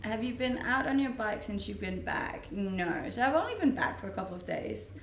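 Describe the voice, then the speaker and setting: A woman's voice: mid-range voice, sing-song, normal speed, gravelly, recorded from a distance. Chatty young Danish-born woman streaming. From Denmark. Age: 20s. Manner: chatty, laughing often, restarting sentences. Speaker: live streamer. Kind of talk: casual chat reading stream comments. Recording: roomy echo, voice off-mic, faint noise.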